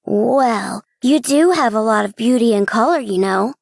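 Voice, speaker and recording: A woman voicing a kind, gentle male crow with a raspy voice in a children's storybook reading. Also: a little high, expressive, moderate pace, no room sound, studio quality.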